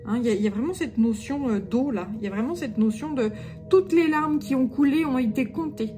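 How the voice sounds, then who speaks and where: A woman with a Jura accent giving an unscripted channeled guidance reading, halting with many fillers and restarts and given to self-mocking humor. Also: high-pitched, expressive, dark tone, faint music behind. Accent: Jura French. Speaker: spiritual channeler.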